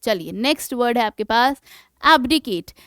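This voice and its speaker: A woman teaching English vocabulary for exam preparation, explaining in Hindi and reading English example sentences slowly and deliberately, often checking in with her students. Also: a little high, expressive, fairly bright tone, clear, resonant tone, no room sound. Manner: keeps checking in with "है ना". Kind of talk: exam-prep vocabulary lesson.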